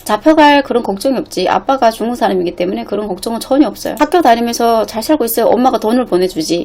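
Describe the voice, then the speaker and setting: Speaking at a very fast pace, a woman uses lively intonation and a fairly high pitch. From North Korea. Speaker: internet streamer. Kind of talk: casual vlog talk.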